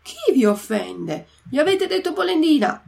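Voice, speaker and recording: A quarrelsome old carpenter, as a woman reading the storybook acts him out, answering gruffly with a dry sarcastic bite. His voice has a gravelly creak to it. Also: high-pitched, sing-song, normal speed, a little mellow, voice pushed up, heavily acted. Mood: defensive.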